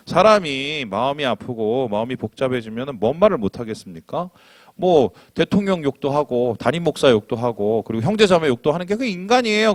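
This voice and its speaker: A male pastor delivers an animated sermon, quizzing the congregation and acting out quotes. His voice is medium-pitched, with no echo in the recording.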